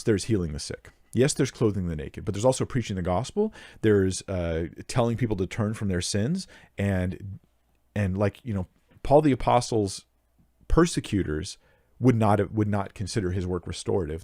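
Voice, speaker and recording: A young man with a low voice speaks close to the microphone in a dry, dead room. He answers a listener's question earnestly, pressing his points with emphasis and stopping to restart his sentences. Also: animated, normal speed, gravelly, mellow, no echo. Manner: earnest, emphatic, thinks aloud with restarts and fillers. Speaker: Bible Q&A host.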